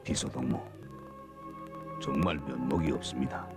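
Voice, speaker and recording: A devoted North Korean bureau director in a film drama. The voice is extremely deep, solemn and declamatory, full of self-reproach. Music plays clearly behind him. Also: male voice, fairly even intonation, a little slow. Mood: solemn remorse.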